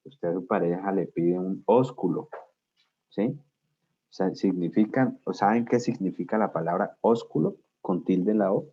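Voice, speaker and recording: A man's voice: sits low, normal speed, breathy edge. A man teaching a class, explaining step by step and often checking whether students follow. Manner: explanatory, asks students frequent check questions. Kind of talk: class lecture. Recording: dull lo-fi sound.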